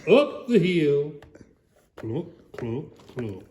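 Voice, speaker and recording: Casting: goofy cartoon gator storyteller, played by a man, slow, highish, hammy and rambling. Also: sing-song, noisy background, full character voice. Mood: hammy, amused. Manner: theatrical, booming shouts, rambling, breaks into laughter. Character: goofy male alligator puppet reading a storybook aloud. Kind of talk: comedic dramatic storybook reading.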